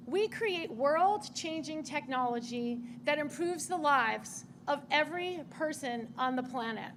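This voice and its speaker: Female presenter, very high pitch, scripted, polished corporate ceremony remarks. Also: a bit bright, a little hiss or hum. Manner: polished, formal delivery. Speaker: company speaker introducing guests.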